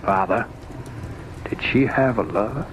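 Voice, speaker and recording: A man's voice: mid-range voice, animated, a little slow. An actor playing an earnest, anxious young man in an old-time radio drama, speaking with dramatic, insistent intensity. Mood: insistent, intense. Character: earnest, anxious, probing grown son. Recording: dull, noisy old radio recording.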